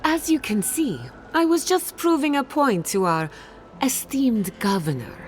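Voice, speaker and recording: A woman's voice: sits high, lively intonation, measured pace, slight background noise. A woman playing a passionate, defiant scholar of soul science in a fantasy video game, speaking with dramatic, pointed emphasis. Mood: indignant. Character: passionate, defiant female animancer fighting for her blighted land. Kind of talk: video game character acting.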